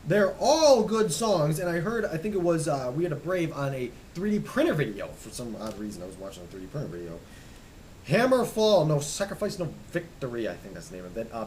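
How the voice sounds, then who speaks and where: A young man casually rambling as he shows off his music collection, stammering and restarting, hoarse and losing his voice. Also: mid-range voice, big pitch swings, fast talker, a little hiss or hum, low-quality recording. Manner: enthusiastic, rambling, stammers and restarts, trails off quietly. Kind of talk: casual rambling show-and-tell.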